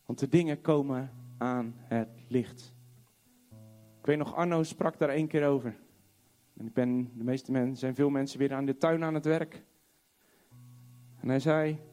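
A man preaching a sermon, reading scripture slowly and swinging from loud, high exclamations to hushed, low tones. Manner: reads scripture aloud slowly and emphatically.

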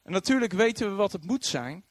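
A man preaching with a fairly high, very lively voice that climbs and drops as he tells the story. He acts out the people he quotes. The sound is close and dry. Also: a little fast, dry recording. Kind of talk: sermon.

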